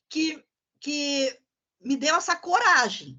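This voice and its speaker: A woman with a high pitch and lively intonation. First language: German (speaking Portuguese). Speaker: student teacher. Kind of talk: academic presentation. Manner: halting, with many repetitions.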